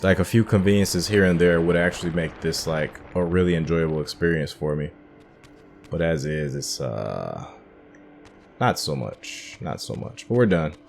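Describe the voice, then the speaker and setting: A man's voice: low voice, moderate pace, vocal fry, a little hiss or hum. A man giving casual commentary as the host of a video game playthrough.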